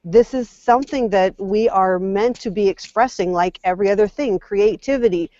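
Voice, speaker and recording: A woman in her forties, a mother and guest, speaking openly and warmly from the heart on a casual panel show, thinking aloud as she goes. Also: medium pitch, moderate pace, no echo, lo-fi sound.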